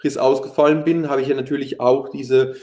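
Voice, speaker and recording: Male, 30s, Palatinate German accent, ex-footballer in interview, halting delivery, roomy echo. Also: medium pitch, level tone, warm tone. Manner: hesitant, many fillers and restarts. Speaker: former pro footballer, youth coach. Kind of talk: interview, casual talk.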